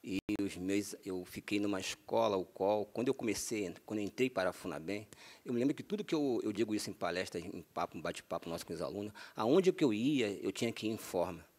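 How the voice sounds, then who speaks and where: A man from Minas Gerais telling his life story in a TV interview, slow and earnest, often repeating himself. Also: lowish voice, expressive, darkish tone. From Minas Gerais, Brazil. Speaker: interview guest. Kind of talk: testimony in a TV interview.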